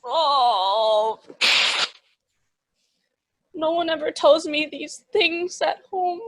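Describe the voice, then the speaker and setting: A woman voicing an innocent, eager demon child in an animated comedy, speaking with naive earnestness. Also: sits high, drawn-out words, full character voice, poor audio. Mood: glum, hopeful. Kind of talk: animated comedy table read.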